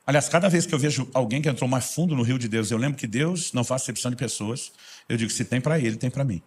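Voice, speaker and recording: A man's voice: mid-range voice, fast, darkish tone, slightly rough. A man with a Brazilian Portuguese accent, preaching a sermon as a pastor and telling stories fervently.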